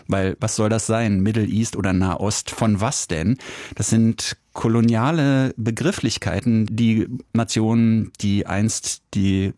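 A man hosting a radio interview, summing up his guest's words in a gravelly, somewhat low voice. He paraphrases briskly and explains as he goes. The sound is close and dry. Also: mellow, dry recording. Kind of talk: radio interview, summarizing in German.

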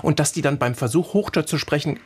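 Husky-voiced man from Franconia, reflective radio co-host. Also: fairly high pitch, quick pace. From Franconia, Germany. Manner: conversational, reflective. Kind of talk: radio book discussion.

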